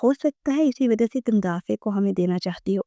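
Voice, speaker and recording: A woman's voice: medium pitch, animated, dark tone, dry recording, lightly acted. A woman reading the part of an anxious fiancée who talks earnestly. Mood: probing.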